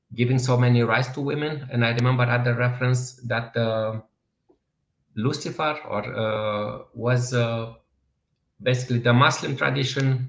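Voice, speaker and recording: This man talks at a moderate pace and a medium pitch, with a strong non-native accent. His intonation stays fairly even. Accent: thick foreign. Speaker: religion and philosophy channel host. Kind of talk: interview conversation. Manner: halting.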